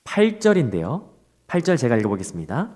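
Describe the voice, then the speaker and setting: A male pastor preaching a dawn prayer sermon, expressive and asking the congregation rhetorical questions. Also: mid-range voice, fairly quick, breathy edge.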